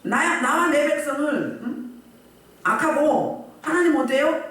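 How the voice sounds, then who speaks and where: A woman pastor preaching a sermon, animated and asking the congregation rhetorical questions. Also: sits high, slow pace. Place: church hall. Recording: echoey church hall, voice from a distance.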